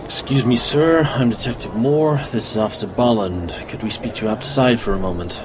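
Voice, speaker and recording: An actor playing a somber, apologetic police detective in a radio drama. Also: male voice, medium pitch, fairly quick, noisy background, natural voice. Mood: formal.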